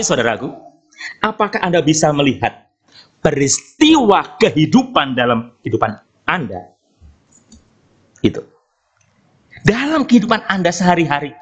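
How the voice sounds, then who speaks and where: A priest in his fifties preaches to the congregation, his high voice swooping up and down as he tells a story. He keeps turning to the listeners to call them brothers and sisters. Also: slightly rough. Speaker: Catholic priest. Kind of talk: sermon. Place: church during Mass.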